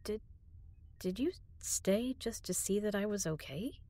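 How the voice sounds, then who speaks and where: A young woman performing an intimate audio drama as a frightened prisoner, speaking softly and often in a whisper. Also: mid-range voice, expressive, unhurried, dry recording. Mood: tender. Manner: soft, breathy, often whispered.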